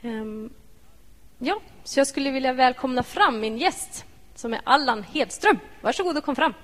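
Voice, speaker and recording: A woman giving a personal devotional talk to a congregation, reflective and gentle, asking the listeners questions. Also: sits high, animated. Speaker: devotional speaker. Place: church hall. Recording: echoey church hall.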